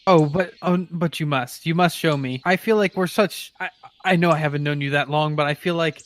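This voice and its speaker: A man's voice: on the high side, brisk, lightly acted. A man playing an eager, earnest forest ranger in a tabletop game, stammering and friendly. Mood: eager pleading.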